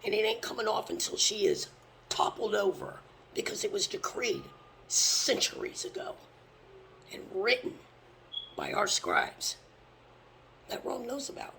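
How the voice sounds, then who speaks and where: Gravelly, intense street preacher. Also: mid-range voice, wildly swooping pitch, unhurried, pauses often, a little hiss or hum. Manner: intense, often drops to a hushed whisper; blunt, with occasional swearing. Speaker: religious teacher. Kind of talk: fervent scripture preaching.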